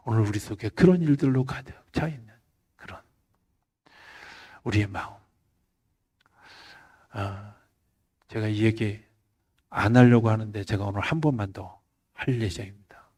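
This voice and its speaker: A male pastor delivers a Friday night sermon in church. His voice is husky and mellow, climbing to loud emphasis and then dropping to near-whispers. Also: fairly low pitch.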